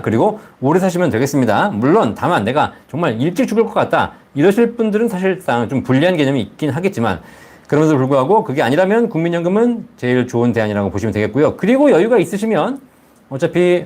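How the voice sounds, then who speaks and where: Man, live-stream advice host, explanatory, rhetorical questions, quick pace, very varied intonation. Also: on the high side, darkish tone. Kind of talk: live call-in style financial advice, answering viewer comments.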